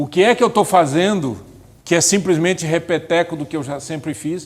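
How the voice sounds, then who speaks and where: A man talks at a fairly quick pace. His voice is fairly high. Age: 60s. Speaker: pastor and coach. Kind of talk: sermon. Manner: animated.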